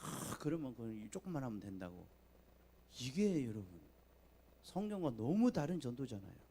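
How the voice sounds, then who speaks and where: A man preaching a sermon in a church. He swings between soft, low asides and loud, emphatic appeals to the congregation. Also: sing-song, normal speed, slightly rough. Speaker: pastor. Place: church sanctuary.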